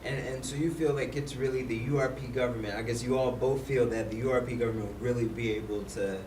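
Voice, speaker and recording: A man's voice: medium pitch, steady tone, fast talker. A man hosting a talk show, hesitant and agreeable, with lots of fillers. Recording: roomy, distant mic with loud noise.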